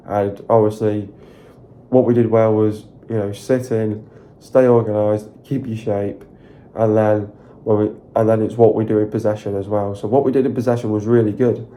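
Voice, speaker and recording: Man, hoarse sore throat, very dark tone, flat delivery, rambling football chat with many fillers. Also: on the low side, moderate pace. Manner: repetitive, filler-heavy, excited rambling. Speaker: football fan channel host. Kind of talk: casual solo video commentary.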